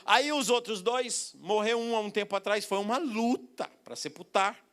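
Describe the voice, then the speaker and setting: A man's voice: high-pitched, normal speed, fairly bright tone. A man with a Brazilian Portuguese accent preaching a sermon, telling a story with quoted voices and bursts of laughter.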